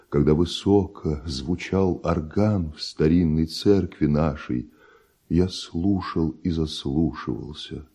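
A man acting a proud, bitterly envious middle-aged composer in a theatrical verse monologue for radio drama, solemn and declamatory, with weighty pauses and a husky voice. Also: very deep voice, mellow, full character voice. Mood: solemn, reflective. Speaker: actor.

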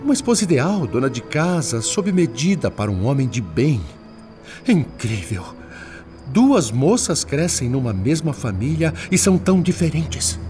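A man voicing an older grandfather's spirit in a radio drama, talking. He is bitter and agitated, and his mid-pitched voice swings widely in exclamation. Soft music plays behind him. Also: sing-song, normal speed, lightly acted. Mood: indignant.

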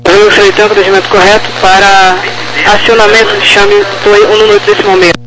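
A man's voice: high voice, level tone, quick pace. A man with a Brazilian accent giving clipped flight instructions over a crackly military-style radio. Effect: crackly radio transmission. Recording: very noisy crackly radio, engine-like noise.

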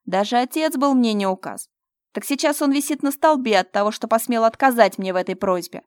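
Woman voicing a cruel shouting young man. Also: on the low side, fast, no room sound, clean studio sound, close to an everyday voice. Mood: menacing. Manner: shouting, threatening. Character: cruel domineering young man, menacing usurper.

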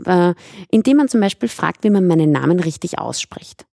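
Gravelly, mellow-voiced young woman. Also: on the low side, big pitch swings, normal speed, no room sound, clean studio sound. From Iran. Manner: thoughtful, explains at length with restarts. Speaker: interview guest. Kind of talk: conversational interview.

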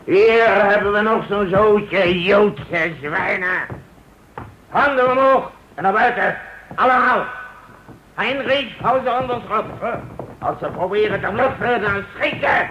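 A man's voice: high-pitched, takes it slowly, bright, forceful tone, heavily acted. An actor playing a brutal, sneering German policeman in a radio drama, barking contemptuous orders. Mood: brutal, shouting. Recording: noisy, muffled radio drama recording.

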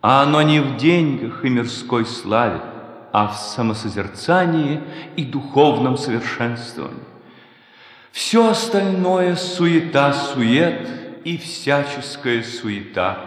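An actor playing a tormented, self-loathing hermit preacher in a radio drama, declaiming theatrically and repeating words for emphasis. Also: male voice, medium pitch, expressive, takes it slowly. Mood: solemn preaching. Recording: music behind the voice.

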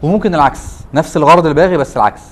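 A man's voice: on the high side, racing. A man with an Egyptian Arabic accent giving a classroom lecture, who keeps asking rhetorical questions to prompt his students. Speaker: teacher.

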